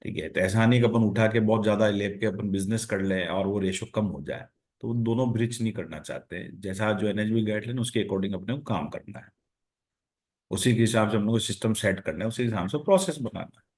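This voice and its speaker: A man's voice: fairly low pitch, a little fast, a little mellow. A man with an Indian accent answering as a company executive on an earnings call, explaining step by step and repeating phrases for emphasis.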